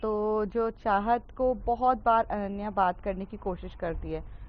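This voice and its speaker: A woman narrating a story casually, chatty and loose, with frequent filler pauses and English words mixed in. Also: medium pitch, fairly even intonation, highs cut off.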